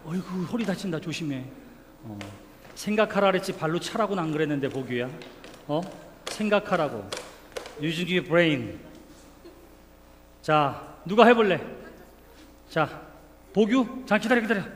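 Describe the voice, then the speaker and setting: High-voiced pastor coaxing children. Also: male voice, animated, a little slow, long pauses. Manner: playful, coaxing, calls children by name. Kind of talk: children's sermon with a live demonstration. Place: church sanctuary. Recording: reverberant hall, faint room noise.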